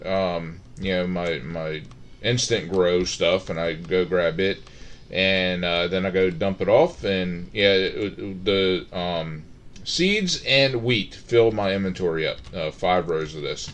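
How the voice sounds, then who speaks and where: Rambling, halting man narrating his gameplay. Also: sits low, fairly bright tone, a little hiss or hum. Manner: rambling, halting, many fillers and restarts. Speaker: Minecraft let's-play host. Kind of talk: casual gameplay commentary.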